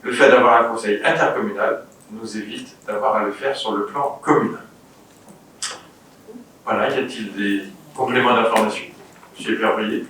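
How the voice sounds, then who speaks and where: A man with a French accent speaking as a mayor chairing a council meeting, explaining formally in a measured, somewhat hesitant way. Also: on the low side, fairly even intonation, fairly bright tone. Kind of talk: formal council speech, partly improvised explanation. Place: indoor council meeting room. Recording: very echoey meeting room, distant mic, faint noise.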